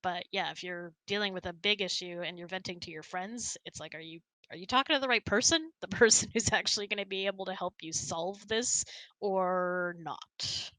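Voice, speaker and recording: Woman, middle-aged, lowish pitch, bright tone, candid, informal host, casual advice chat, dry sound. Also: normal speed, dry recording, rough recording.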